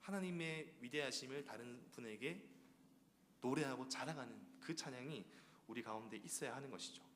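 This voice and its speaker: A man preaching a sermon in a church, animated and full of rhetorical questions. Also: mid-range voice, moderate pace, slight background noise. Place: church sanctuary. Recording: long church-hall reverb.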